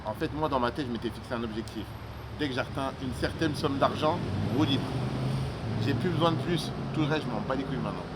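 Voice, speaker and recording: A man's voice: mid-range voice, fast talker. A young man vlogging casually to the camera as he travels, in hyped, slangy street talk. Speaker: entrepreneur vlogger. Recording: noisy traffic and street background.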